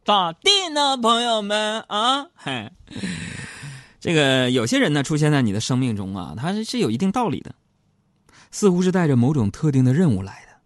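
A man's voice: a little high, big pitch swings, normal speed, no room sound, clean studio sound. A middle-aged man, hosting a comedic storytelling radio show and chatting straight to his listeners in a jokey way.

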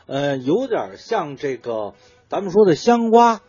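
Speaking at a measured pace, the Beijing-accented food writer has a slightly high, sing-song, husky, somewhat mellow voice. He talks through traditional cooking as a storyteller, asking questions and answering them himself; there's no room sound, though the audio is muffled and dull lo-fi.

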